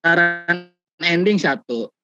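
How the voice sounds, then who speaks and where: A man asking a question over a remote video call whose audio keeps breaking up, so his phrases come out halting and cut off. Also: high voice, music in the background. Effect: choppy online call audio that keeps breaking up. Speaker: audience member asking a question. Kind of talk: casual question in an online session. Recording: dull, dry lo-fi call audio.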